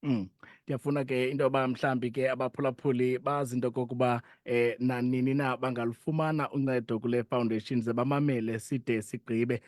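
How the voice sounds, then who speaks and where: A man's voice: medium pitch, darkish tone, no echo, studio quality. A man with a South African Xhosa accent hosting a conversational radio interview and putting questions to guests.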